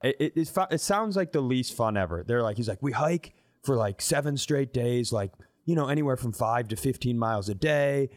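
A man's voice: medium pitch, animated, a little fast, hardly any pauses, dry recording, studio quality. A man co-hosting a podcast, telling casual comedic stories, swearing freely and acting out dialogue in exaggerated voices. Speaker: podcast co-host.

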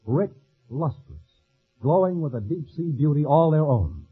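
An American man announces in a polished old-time radio manner, his fairly high voice moving up and down with plenty of melody. The sound is thin and phone-like, from an old broadcast. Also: sing-song, unhurried, slightly rough. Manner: polished, formal sales delivery. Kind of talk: mid-century American radio announcing and ad reading.

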